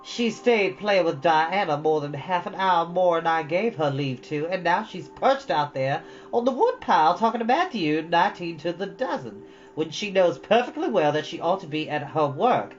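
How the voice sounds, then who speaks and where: A man's voice: on the high side, expressive, moderate pace, lo-fi sound, faint music behind, pitched above the performer's own voice, natural voice. A man voicing a stern, exasperated older woman who scolds in an emphatic, folksy way, in a storybook reading.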